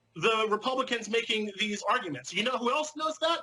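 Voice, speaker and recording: This is a man. His voice is raised and projected. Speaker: legal commentator. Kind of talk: news interview. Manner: fast.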